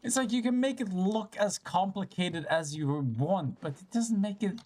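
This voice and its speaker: This woman's mid-range voice has a dark tone and a moderate pace. She's streaming a game, talking to herself in casual commentary, cursing plenty and sounding playfully exasperated.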